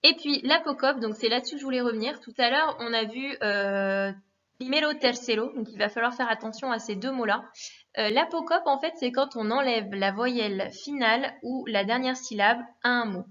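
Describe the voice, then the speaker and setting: A woman teaching a lesson in a patient, methodical way, repeating forms and pausing with fillers. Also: a little high, a bit bright. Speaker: Spanish teacher. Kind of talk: recorded classroom lesson. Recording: dull lo-fi recording.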